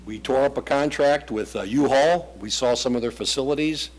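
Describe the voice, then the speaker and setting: A man's voice: medium pitch, normal speed. A man presenting as a property developer at a township planning meeting, casual and rambling.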